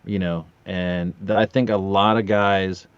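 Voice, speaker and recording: A middle-aged man with a fairly low voice talks casually and anecdotally, moving between earnest and joking. The recording is a little dull and roomy, like a remote podcast guest in an untreated room. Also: steady tone, unhurried, clean tone. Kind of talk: casual conversational storytelling. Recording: roomy, slightly dull lo-fi connection.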